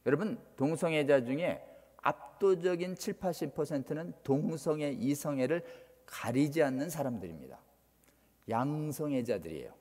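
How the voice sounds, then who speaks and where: A man's voice: a little high, lively intonation, normal speed. Impassioned man preaching in reverberant church. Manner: rhetorical questions, swings between loud and hushed. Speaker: church elder and lawyer, guest speaker. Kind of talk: impassioned sermon. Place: church sanctuary. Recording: long church hall reverb.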